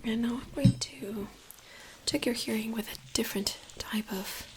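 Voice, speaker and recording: A woman softly whispering in an ASMR medical exam roleplay, giving slow, gentle, attentive instructions as the examiner. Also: fairly high pitch, noisy background. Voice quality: soft breathy whisper.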